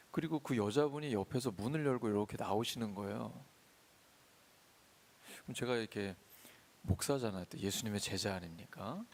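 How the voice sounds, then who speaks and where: A man preaching a sermon as pastor in a church, swinging between loud emphatic lines and soft confiding storytelling. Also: mid-range voice. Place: church sanctuary.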